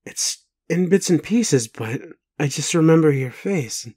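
A man playing a bewildered, doubting but gentle partner in an intimate roleplay audio, speaking haltingly with pauses. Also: fairly high pitch, expressive, husky. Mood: stunned, uneasy. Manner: halting, hesitant, full of pauses and sighs.

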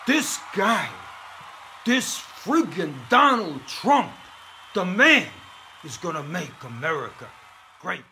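A man playing a brash, defensive political character in sketch comedy, with a rough, husky voice. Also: high-pitched, sing-song, takes it slowly, pushed and bright, a little hiss or hum, heavily acted.

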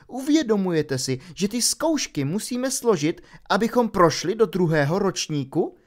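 A man's voice: high-pitched, big pitch swings, voice pushed up. A man voicing a bossy, studious schoolgirl who frets about exams, in an insistent, exasperated manner.

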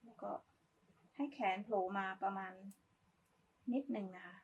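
A woman's voice: mid-range voice, unhurried, narrow, tinny audio, a little hiss or hum. A woman giving a casual, polite step-by-step craft tutorial, talking as she demonstrates. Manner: informal, polite, talks while demonstrating.

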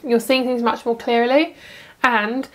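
A chatty woman with a slightly high voice reads tarot cards at home. She rambles cheerfully, stops herself mid-thought and wanders into side comments before getting back on track. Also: steady tone, unhurried. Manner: chatty, rambling, self-interrupting with asides. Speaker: tarot reader. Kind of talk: casual pick-a-card tarot reading.

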